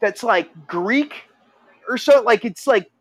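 A man's voice: very high-pitched, animated, slow pace, husky. A man from California calling in to chat casually, rambling and swearing, laughing often. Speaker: caller.

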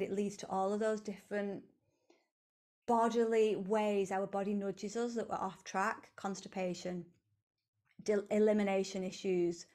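Slow, earnest woman coaching. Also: medium pitch. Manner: slow, earnest, repetitive phrasing. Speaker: podcast host, coach. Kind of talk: reflective solo motivational talk.

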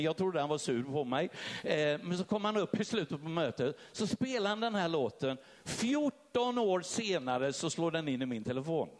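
A man preaching a sermon, telling a personal story with feeling and speaking straight to his listeners. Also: a little high. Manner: emotional storytelling, addresses listeners directly. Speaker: pastor.

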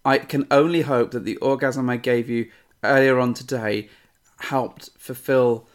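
A man's voice: mid-range voice, steady tone, measured pace. A man co-hosting a casual podcast with his wife, joking and rambling, often laughing mid-sentence. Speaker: podcast co-host. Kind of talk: casual banter.

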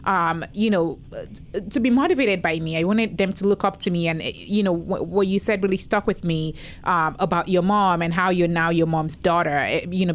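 A woman hosting a podcast, speaking reflectively in long, winding sentences during a casual interview. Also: on the low side. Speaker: podcast host.

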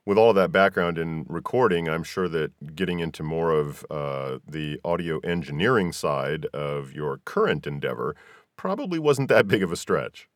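A man's voice: a bass voice, animated, normal speed, no room sound, studio quality. A man hosting a casual interview, responding with encouragement and asking conversational questions. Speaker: podcast host, interviewer.

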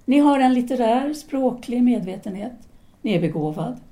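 A woman's voice: a little high, lively intonation, warm tone, natural voice. A woman acting in an audio drama as a self-assured female philosophy teacher in 1930s Paris, speaking in an articulate, formal, didactic way. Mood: confident, probing.

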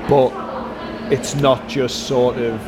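A man explains his coaching approach in a conversational interview style, often circling back on his phrases. His pitch is mid-range and stays fairly flat. Steady background noise sits behind the voice. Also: slow. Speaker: performance coach being interviewed.

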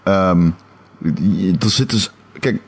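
A man co-hosting a game podcast in casual chat, animated with hesitant restarts and casual swearing. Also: sits low, slow, husky.

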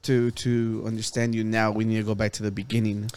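A man's voice: fairly low pitch, completely flat delivery, a little fast, darkish tone, smooth, no echo. A man hosting a casual podcast interview, often repeating words as he starts his questions. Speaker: podcast host.

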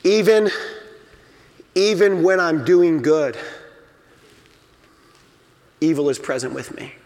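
High-voiced preaching pastor in a reverberant hall. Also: male voice, expressive, takes it slowly, darkish tone. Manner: emphatic preaching, acts out inner voices. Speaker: senior pastor. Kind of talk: sermon. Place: church sanctuary.

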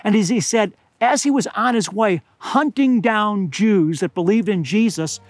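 An older man preaching a sermon outdoors at high altitude, slightly hoarse, earnest and deliberate, slowing down to stress key words. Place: outdoors among pine trees at high altitude.

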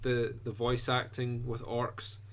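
A man co-hosting a hobby podcast, chatting casually and quietly with frequent restarts and fillers. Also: mid-range voice, monotone. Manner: soft-spoken, halting, full of restarts. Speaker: podcast co-host and miniature painter. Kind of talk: casual chat.

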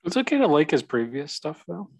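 Young male co-host, animated and teasing, dry close-mic sound. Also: on the high side, brisk, gravelly, no echo. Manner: playful, teasing. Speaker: podcast co-host. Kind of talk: casual chat.

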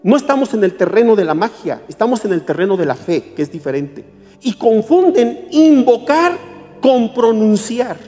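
A preacher with a warm, mellow tone delivers an emphatic sermon in a church hall. The preacher keeps putting rhetorical questions to the congregation. The voice rings out with long echoes, and soft music plays underneath. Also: medium pitch.

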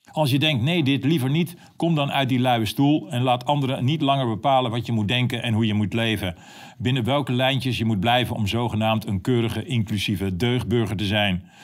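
A man reading his own opinion column aloud, sarcastic and combative. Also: mid-range voice.

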